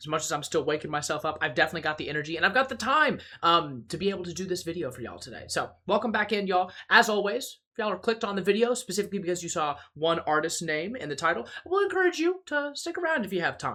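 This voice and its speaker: Talking at a very fast pace with hardly any pauses, a man projects a raised, bright and sharp voice, pitched high, with lively intonation. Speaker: music reaction youtuber. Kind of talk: casual video commentary.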